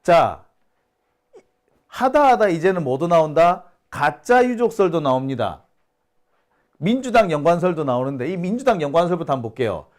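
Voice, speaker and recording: A man's voice: fairly high pitch, very animated, normal speed, long pauses, darkish tone. A man hosting a solo news commentary, indignant and scoffing, sighing and exclaiming as he reads out rumors. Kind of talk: solo talk-show commentary.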